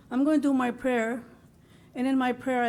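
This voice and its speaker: In a Great Lakes accent, a woman speaks at a moderate pace. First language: Ojibwe. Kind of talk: blessing prayer. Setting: public ceremony at a museum.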